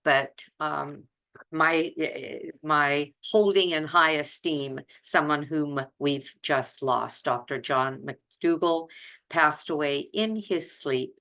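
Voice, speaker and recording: An older woman with a very deep voice for a woman, hosting an informal talk as a health coach. She speaks slowly and deliberately, often pausing in the middle of a phrase. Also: fairly bright tone. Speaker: health coach and video host.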